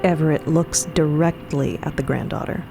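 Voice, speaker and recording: A woman's voice: deep voice, moderate pace, vocal fry, over music, low-quality recording. A woman reading scripted narration as the narrator of an audio drama.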